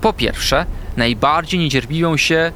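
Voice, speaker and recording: A man voicing a kind, wise female owl who explains things gently and patiently in a children's story. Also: fairly high pitch, measured pace, slight background noise. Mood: gentle.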